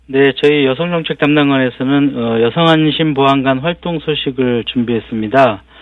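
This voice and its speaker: A man's fairly high voice, a normal speaking voice, with fairly even intonation at a moderate pace. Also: hardly any pauses. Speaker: city government official. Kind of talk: formal policy briefing. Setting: phone call. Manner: formal.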